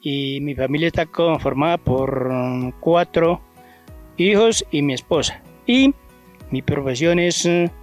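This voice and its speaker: A man in his fifties with a Boyacá Colombian accent, a farmer answering plainly and slowly outdoors on a handheld mic. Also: fairly high pitch, soft background music. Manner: slow, plain, pausing. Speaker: farmer guest. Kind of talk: interview answers. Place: outdoors in a farm field.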